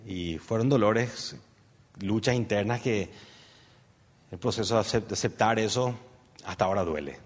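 A man's voice: fairly low pitch, moderate pace, long pauses. A man with a Paraguayan Spanish accent, an interview guest giving a personal testimony in a rambling way, full of fillers and tag questions. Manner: rambling storyteller, many fillers and "¿verdad?" tags. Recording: long hall reverb.

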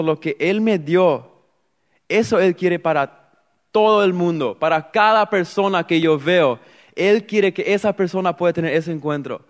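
A man's voice: high voice, long reverb tail. A young man with a Paraguayan Spanish accent giving an earnest sermon testimony, acting out his inner thoughts as he tells his story. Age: young adult. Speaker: preacher.

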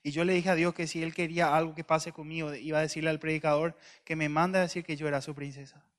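Male preacher; high, sharp-toned voice; conversational, humorous storytelling. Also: flat delivery, fast talker. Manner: joking, conversational, bursts of loud emphasis.

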